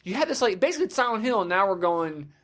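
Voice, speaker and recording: Opinionated man hosting, slightly high voice. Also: sing-song, rapid-fire, fairly bright tone. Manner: sweary, opinionated. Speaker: podcast host. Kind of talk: casual video game podcast chat.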